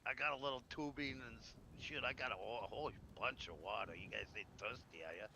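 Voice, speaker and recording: Talking fast in a creaky, medium-pitched voice, a player in a zombie survival roleplay stream rambles casually and folksily in character. Faint background noise sits under the recording.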